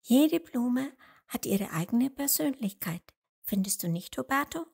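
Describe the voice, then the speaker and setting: A woman voicing a gentle, sweet little female sheep in a children's storybook, full of wonder. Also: fairly high pitch, expressive, measured pace, vocal fry, breathy edge, voice pushed up, heavily acted. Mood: admiring.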